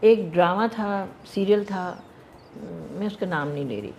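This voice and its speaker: An older woman, a television actress telling lively stories in a casual interview and mixing English into her Urdu. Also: medium pitch, slight background noise. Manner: animated storyteller, mixes English into Urdu, laughs often.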